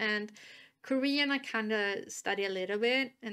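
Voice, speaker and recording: A woman with a Swedish accent speaks at a moderate pace in a fairly high pitch with ordinary pitch variation, in a very clean recording with a silent background. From Sweden. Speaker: YouTube reaction channel host. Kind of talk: casual chat. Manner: hesitant, many fillers.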